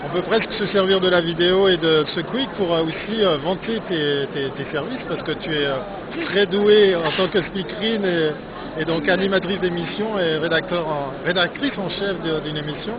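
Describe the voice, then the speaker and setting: A man's voice: high-pitched, normal speed. A man doing a casual live interview, hesitating and rephrasing his questions as he goes. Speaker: interviewer hosting a live web video. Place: busy, cold conference venue in Paris. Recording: dull lo-fi live stream, loud crowd.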